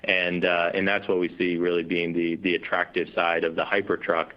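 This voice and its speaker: A man's voice: deep voice, little pitch movement, moderate pace. A man speaking as a company executive on an earnings call, explaining things in spontaneous business language with conversational tags. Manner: explanatory, frequent you know and right as tags. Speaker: company executive answering analyst questions. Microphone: conference call line. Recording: dull, lo-fi conference call audio.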